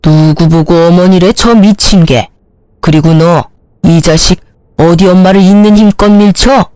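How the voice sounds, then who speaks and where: A woman voicing a fierce older mother-in-law who scolds and shouts insults. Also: medium pitch, measured pace, no room sound, natural voice. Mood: enraged. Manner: scolding, furious.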